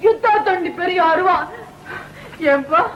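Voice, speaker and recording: A woman's voice: extremely high pitch, a little slow, slight background noise. An actress playing a timid, easily frightened young village woman in an old film, pleading in a childlike way. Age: young adult. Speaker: daughter. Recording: dull old film soundtrack.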